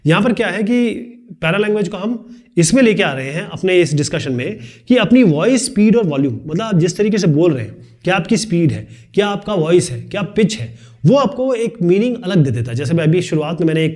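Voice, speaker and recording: A man teaching a video lesson, explaining quickly and chattily with joking asides. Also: high voice, sing-song, a little mellow. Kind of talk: fast classroom video lesson.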